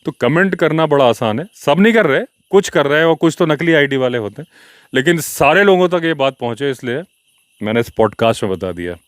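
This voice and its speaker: A man's voice: on the high side, expressive, a little fast, no room sound. A man hosting his own wildlife podcast, talking casually and explaining himself to his viewers. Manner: conversational, explaining and answering viewer comments in a mildly defensive tone. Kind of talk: casual solo podcast talk.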